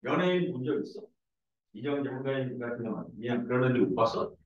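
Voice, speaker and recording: A man teaching math in a classroom, mixing the lecture with lively, joking stories. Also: mid-range voice, brisk. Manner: animated, joking storyteller. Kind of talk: lecture mixed with casual anecdotes. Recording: echoey room, distant dull mic.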